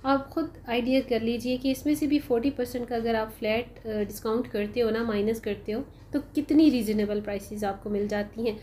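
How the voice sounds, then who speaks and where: A woman doing a casual, chatty voice-over for a shopping vlog, unhurried and full of "uh" fillers. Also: fairly high pitch, steady tone, warm tone, slight background noise. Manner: chatty, unhurried, frequent "uh" fillers, addresses viewers as "janab" and "bhai". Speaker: shopping vlogger. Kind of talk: casual voice-over of a sale haul.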